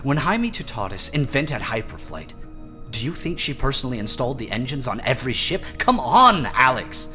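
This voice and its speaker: A woman playing a loyal, excitable but pragmatic scientist's assistant in an audio drama. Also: rumbling low, moderate pace, music in the background. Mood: pleading, persuasive. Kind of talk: audio fiction drama acting.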